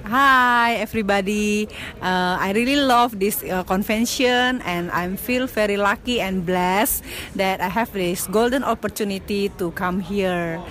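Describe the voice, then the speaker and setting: A woman's voice: mid-range voice, measured pace, a bit bright. A woman from Indonesia, a convention attendee speaking passionately with hesitant fillers.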